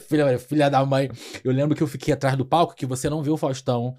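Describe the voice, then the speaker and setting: A young Brazilian man, a comic actor, telling lively anecdotes on a podcast and often breaking into laughter. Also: medium pitch, brisk. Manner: animated, laughing, acts out scenes. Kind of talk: casual anecdotal storytelling.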